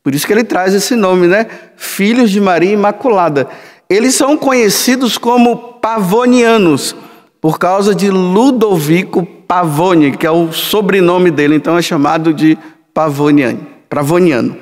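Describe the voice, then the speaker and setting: A man in his sixties, a priest giving a storytelling homily in a large church sanctuary on a headset mic, gesturing broadly as he speaks. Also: high-pitched. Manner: slow, storytelling, sweeping hand gestures. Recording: long hall reverb.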